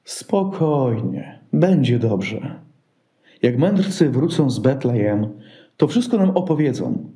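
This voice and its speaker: A man's voice: medium pitch, big pitch swings, slow, mellow, reverberant. A man playing a pompous, self-assured scheming king in a Christmas radio play. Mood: smugly reassuring.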